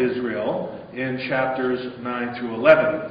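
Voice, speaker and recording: Audible room echo and light background noise surround this recording. A man talks at a very slow pace with fairly even intonation. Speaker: pastor. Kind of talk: sermon. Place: church. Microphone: podium.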